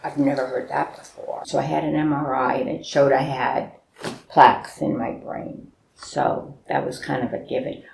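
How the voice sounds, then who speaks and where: Low gravelly older woman in an echoey room. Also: little pitch movement, moderate pace, darkish tone, slight background noise. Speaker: interviewee. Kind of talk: documentary interview, recounting. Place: home living room, seated in armchair.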